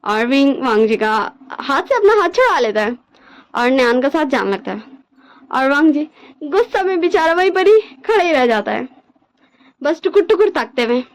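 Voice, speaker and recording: A woman with a high voice recounts her own story in a relaxed, chatty way. She mixes in English words as she narrates. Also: normal speed, long pauses, poor audio. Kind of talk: fan-fiction storytelling.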